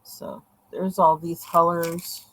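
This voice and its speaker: Slow-talking woman, losing her voice. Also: fairly low pitch, flat delivery, fairly bright tone, slight background noise, poor audio. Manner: rambling, many fillers, self-deprecating. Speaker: vlogger unboxing art supplies. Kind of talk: casual chat. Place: indoors at a home desk. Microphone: camera over the desk, hands seen.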